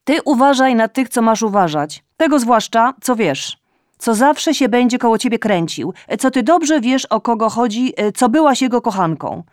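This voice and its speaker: Lady putting on a nagging old mum who cant hear, loud and pushy, slow. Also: sits low, flat delivery, no echo, studio quality, pitched below the performer's own voice. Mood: warning. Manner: scolding and repetitive. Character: nagging older mother, hard of hearing, scolding.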